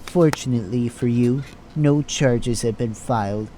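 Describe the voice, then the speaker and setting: A man playing a stern, condescending hospital chief of staff in an audio drama, formal and measured. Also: mid-range voice, mellow, slight background noise, lightly acted, rough recording. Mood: stern, dismissive.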